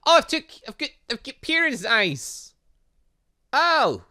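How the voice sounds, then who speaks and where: A man giving let's play commentary on a game, excitable and reactive, reading dialogue aloud as he goes. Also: extremely high pitch, slow pace. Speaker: gaming channel host.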